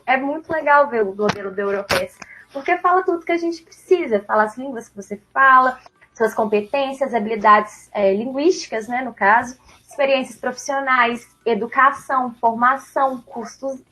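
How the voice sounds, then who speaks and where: High-pitched Brazilian woman presenting tips. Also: a bit bright, rough recording. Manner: chatty, addresses viewers directly. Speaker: tech recruiter presenting on a live stream. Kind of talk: informal explanatory presentation with career tips.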